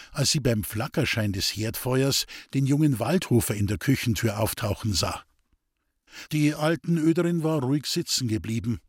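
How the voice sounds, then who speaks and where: A man narrating a classic novel in a steady storytelling voice. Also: medium pitch, husky, no echo, studio quality. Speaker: audiobook narrator.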